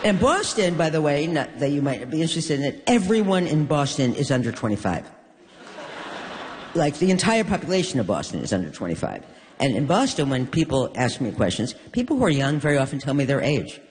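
An older woman from New York, a guest in an onstage conversation, telling stories with wry, deadpan humor. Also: sits low, a little fast. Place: stage in a hall. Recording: long reverb of a large hall.

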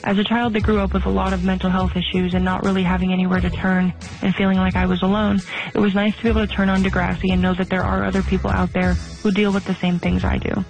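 Man with a high, flat, gravelly voice. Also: fast talker, poor audio. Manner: sincere, heartfelt. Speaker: fan sending a voice memo. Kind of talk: personal testimony. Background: soft music.

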